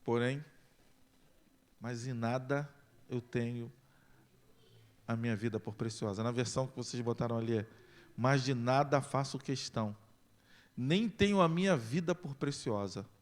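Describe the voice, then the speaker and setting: A male pastor with a Brazilian Portuguese accent preaching a sermon, swinging from loud emphasis to quiet intensity. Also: mid-range voice, a little slow, long pauses.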